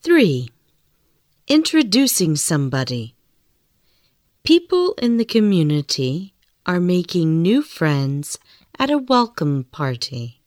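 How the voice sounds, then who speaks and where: A woman reading scripted language-lesson audio, speaking very slowly and carefully. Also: on the low side, sing-song, a little mellow, no room sound, clean studio sound. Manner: very slow, carefully enunciated reading. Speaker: textbook audio reader.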